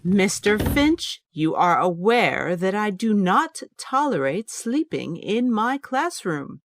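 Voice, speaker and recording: An actress playing a strict teacher who speaks formally and scolds a sleepy student. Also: female voice, medium pitch, sing-song, slow pace, a little hiss or hum. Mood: stern. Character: stern strict female literature teacher.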